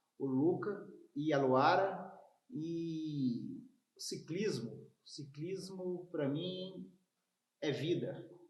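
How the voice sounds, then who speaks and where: With audible room echo, a man speaks at a fairly high pitch with lively intonation. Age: 40s. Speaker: podcast host, cyclist. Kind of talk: podcast interview. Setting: bar tasting room.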